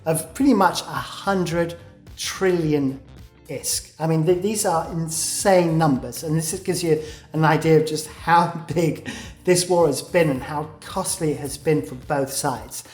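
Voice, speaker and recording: A woman giving a weekly gaming war update, talking through her analysis with frequent "uh" pauses. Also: deep voice, a little mellow, reverberant, soft background music. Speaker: game news commentator.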